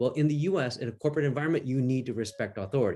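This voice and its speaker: On a very clean recording with a silent background, a man with an American accent speaks at a medium pitch in a somewhat breathy voice. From United States. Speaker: retired corporate executive, panelist. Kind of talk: panel discussion.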